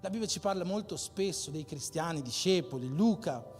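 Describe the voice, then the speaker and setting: A man's voice: a little high, lively intonation, normal speed, darkish tone. A man preaching a sermon as pastor, driving points home with repeated emphatic phrases. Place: church hall. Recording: long hall reverb with faint music.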